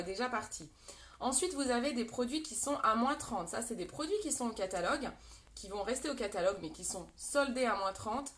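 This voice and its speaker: A woman's voice: fairly high pitch, fairly bright tone. A French woman hosting a casual live makeup demo, chatting with viewers as she talks through products. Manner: chatty, greets viewers, frequent fillers.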